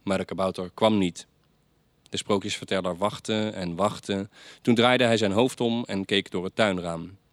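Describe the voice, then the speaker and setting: A man reading stories aloud at a reading night, measured, chatting lightly between pieces. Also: fairly low pitch, steady tone, no room sound.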